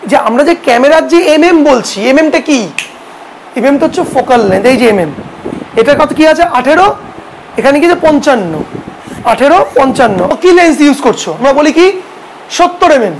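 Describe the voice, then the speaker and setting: A woman with a high voice lectures a photography class. She keeps asking her students questions and then answers them herself. A faint background noise runs under her voice. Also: animated, fairly quick, poor audio. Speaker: photography teacher.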